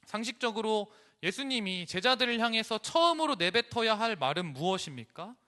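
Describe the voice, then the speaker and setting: A male pastor preaching a dramatic sermon in church, rising to loud emphasis and dropping to a hush. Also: high voice, animated, brisk. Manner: dramatic, swings from loud emphasis to hushed near-whisper. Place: church sanctuary.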